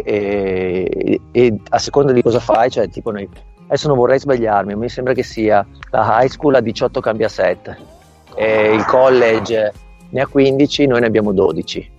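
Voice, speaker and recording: This middle-aged volleyball coach speaks unhurriedly in a lowish, slightly mellow voice with vocal fry. Over a remote interview line, he gives long explanations and keeps checking comprehension with "capito?". Dull lo-fi audio carries faint music underneath.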